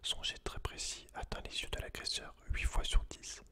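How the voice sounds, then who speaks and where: A man hosting ASMR speaks in a breathy whisper with no voicing, at a moderate pace. He alternates between reading aloud and tossing casual, slangy comments directly to the listener.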